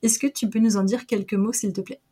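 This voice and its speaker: A woman's voice: mid-range voice, fairly even intonation, quick pace, mellow, slightly rough. A woman in her thirties hosting an interview podcast, upbeat and friendly as she introduces and questions her guest. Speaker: podcast host, interior designer. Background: faint music under intro.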